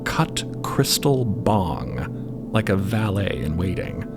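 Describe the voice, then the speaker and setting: Male story narrator, theatrical and playful, highly animated intonation, unhurried, prominent music bed. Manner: dramatic, playful. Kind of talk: theatrical scripted narration with casual asides. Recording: loud music bed under voice. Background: loud music.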